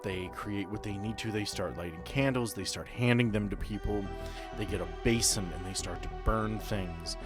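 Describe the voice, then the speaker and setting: A man acting as game master, narrating a tabletop role-playing story deliberately, in short dramatic phrases. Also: on the low side, over music.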